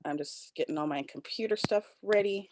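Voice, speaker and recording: A woman's voice: mid-range voice, fairly quick, darkish tone, slight background noise. A woman chatting casually and informally on a video call, as an amateur actor before a script reading. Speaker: amateur actor in a virtual table read. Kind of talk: casual chat.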